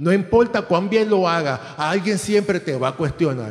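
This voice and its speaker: Here a man talks with lively intonation. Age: 60s. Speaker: lay preacher. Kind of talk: sermon.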